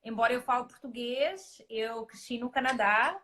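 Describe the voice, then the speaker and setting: A woman's voice: on the high side, normal speed, a bit bright. A middle-aged woman from Mozambique, a naturopathic doctor, speaking as a guest in a live interview with many fillers and restarts.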